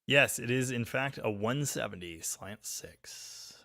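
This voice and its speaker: Loud gravelly guy rambling on a live stream, dry close sound. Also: medium pitch, lively intonation, takes it slowly, dry recording. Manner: chatty, thinking aloud while reading viewer comments. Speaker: livestream host reading chat. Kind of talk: casual live chat about cars. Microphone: phone microphone.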